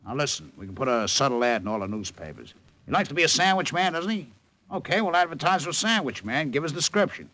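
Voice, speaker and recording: An actor playing a streetwise, slangy private detective in a 1940s radio drama. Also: male voice, fairly high pitch, big pitch swings, quick pace, sharp tone. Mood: wisecracking. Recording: noisy old radio transcription.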